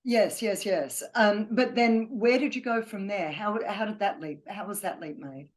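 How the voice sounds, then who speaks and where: A woman's voice: medium pitch, normal speed. A woman hosting an interview podcast, asking casual questions and repeating words playfully. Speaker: podcast host.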